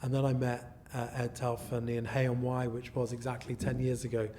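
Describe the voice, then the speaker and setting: A man speaks in a mellow, warm voice over faint room ambience. He is measured and reflective as he looks back on years of work. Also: mid-range voice, monotone, a little hiss or hum. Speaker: producer and writer. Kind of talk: relaxed interview talk.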